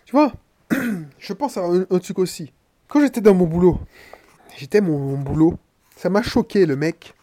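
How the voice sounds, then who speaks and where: A man's voice: sits high, moderate pace, pauses often, warm tone. A man from Martinique with a head cold, a podcaster and coach talking bluntly and slangily straight to the listener in a casual monologue.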